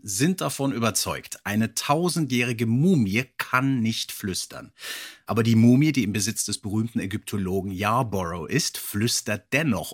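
Man hosting a casual podcast, slightly husky. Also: fairly low pitch, a bit bright. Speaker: podcast host. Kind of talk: casual podcast chat with read-out passages.

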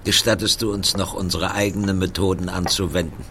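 Gruff, low-voiced police inspector. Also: male voice, little pitch movement, fairly quick, a bit bright, slight background noise. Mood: sarcastic, barking. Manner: curt, sarcastic, commanding. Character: gruff, irritated police inspector barking at boys. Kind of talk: German audio drama acting.

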